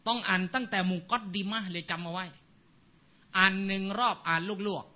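A man with a high, very bright and sharp voice teaches a class in a relaxed, lively way. He keeps checking with his students whether they follow, and now and then he mimics other people's accents to make a point. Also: brisk. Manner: animated, keeps asking rhetorical checks; mimics accents while explaining. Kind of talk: casual lecture to students.

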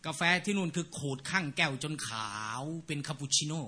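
A male teacher giving a casual, animated lecture to students, often stopping to ask whether they follow him. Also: on the high side, a little fast, slightly rough. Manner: animated, keeps asking rhetorical checks; mimics accents while explaining.

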